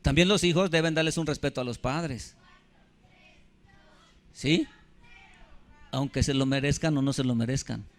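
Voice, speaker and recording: A man's voice: mid-range voice, moderate pace, long pauses. A man, preaching a sermon as pastor with emphasis, keeps putting questions to the congregation. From Mexico. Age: 50s.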